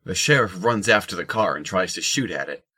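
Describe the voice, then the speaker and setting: A man's voice: low-pitched, expressive, a little fast, sharp tone, husky. A man narrating a scripted audio drama in the third person.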